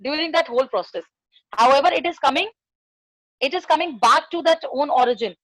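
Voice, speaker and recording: A woman's voice: high voice, expressive, a little fast, fairly bright tone, no room sound, low-quality recording. A woman with a South Asian accent teaching a poem in a classroom lesson, repeating phrases and questions for emphasis.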